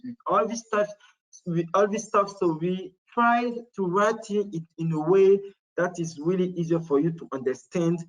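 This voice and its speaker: A man with a fairly high voice presents a webinar, clicking through a website as he explains it. He speaks English as a second language and often restarts his sentences and fills gaps with "uh". He sounds like he is talking at a computer indoors. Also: rough recording. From Morocco. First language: not English. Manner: halting, many restarts and fillers. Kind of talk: screen-share demo talk.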